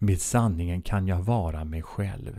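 A man's somewhat breathy, fairly low voice with lively intonation, on a very clean recording with a silent background. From Stockholm, Södermalm. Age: 50s. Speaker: former police officer turned author. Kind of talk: reading aloud; scripted monologue.

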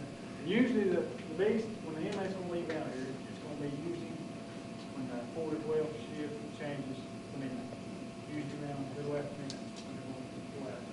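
Loud background noise and audible room echo surround a man talking at a fairly quick pace. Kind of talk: informal explanation to visitors. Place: hall. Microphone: old recording.

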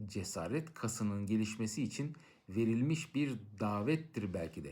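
Speaking at a medium pitch, a man uses lively intonation in a dark, mellow tone. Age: 50s. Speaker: entrepreneurship coach. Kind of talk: motivational monologue.

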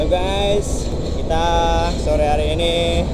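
A man's voice comes through a dry sound with no echo against loud background noise. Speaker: cycling vlogger. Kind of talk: casual vlog commentary. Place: bicycle. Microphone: phone near.

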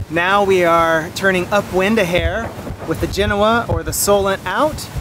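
The voice belongs to a man. Noticeable background noise sits under a dry sound with no echo. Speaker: sailing vlogger. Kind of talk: casual vlog chat. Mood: excited, cheerful. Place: boat. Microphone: phone near.

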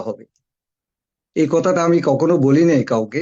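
A man talks with a high pitch. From Bangladesh. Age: 60s. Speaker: retired engineer, network marketing distributor. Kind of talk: testimonial speech at a business meeting.

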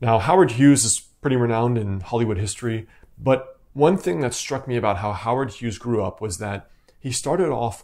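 This man's tone is dark and mellow, and somewhat breathy. He moves at a fairly quick pace with ordinary pitch variation. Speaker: self-help youtuber. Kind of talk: casual vlog chat. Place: home room.

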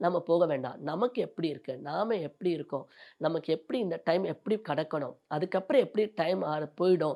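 The woman's voice sits fairly low in pitch. Behind her, the background stays quiet. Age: 60s. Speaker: retired teacher, astrology student. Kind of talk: testimonial. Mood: warm, earnest recommendation. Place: home room.

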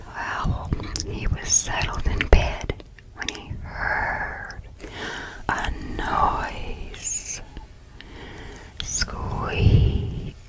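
A woman whispers at a very slow pace, with big swings in loudness. She leaves long, frequent pauses. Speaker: ASMR storyteller. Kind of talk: ASMR whispered bedtime story reading. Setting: home recording, close mic. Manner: whispered.

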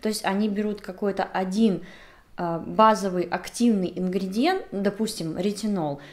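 A woman speaks at a moderate pace. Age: 30s. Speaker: beauty vlogger. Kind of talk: tutorial.

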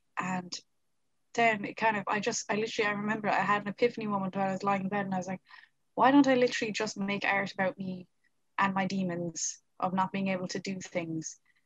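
In a Cork accent, a woman speaks very fast with fairly even intonation and a somewhat breathy voice, the sound dry with no echo against a quiet background. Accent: Cork Irish. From Ireland, Cork; Ireland. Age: 20s. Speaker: artist; interviewee. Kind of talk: interview. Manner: halting. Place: home room. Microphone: video call.

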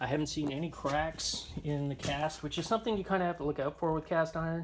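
Speech comes at a moderate pace against light background noise. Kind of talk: casual vlog chat. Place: home room. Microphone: phone near.

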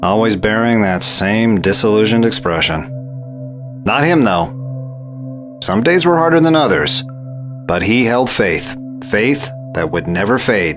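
Over music in the background, a man talks at a fairly slow pace with lively intonation and very even loudness. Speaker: narrator. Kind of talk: fiction narration.

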